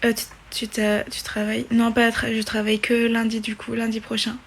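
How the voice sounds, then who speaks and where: A young woman in her twenties talks casually into her phone on a live stream. She reads out viewers' questions and answers them in a halting, filler-heavy way. Her voice sits a little high and stays fairly monotone. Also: a little hiss or hum. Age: 20s.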